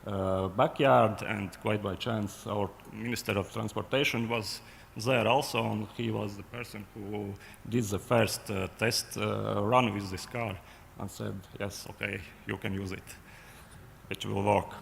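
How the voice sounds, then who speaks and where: Latvian guy giving a talk, gravelly low-ish voice, lots of uh and restarts, big reverby hall. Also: fairly even intonation, a little hiss or hum. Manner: halting, many fillers and restarts. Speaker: conference presenter. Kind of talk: technical conference presentation. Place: large conference hall. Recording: long hall reverb, faint ambience.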